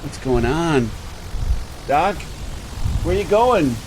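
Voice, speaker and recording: A jittery, folksy truck driver in an old-time radio-style drama, fretting out loud and coaxing his truck along. His voice sits somewhat high for a man. A clear noise bed runs beneath him. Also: animated, drawn-out words. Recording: noisy radio-play track with effects.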